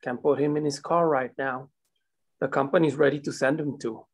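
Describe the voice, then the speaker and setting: A man's voice: medium pitch, fairly even intonation, moderate pace. A man reading a condescending coal company enforcer. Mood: cold. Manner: smooth, condescending threats. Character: menacing company man pressuring a woman. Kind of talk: script table read.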